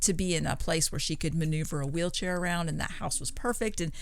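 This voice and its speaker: A woman's voice: low-pitched, fast talker, creaky, clear, resonant tone. A woman co-hosting a podcast, casually retelling paranormal stories in a conversational, chuckle-prone way. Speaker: podcast co-host.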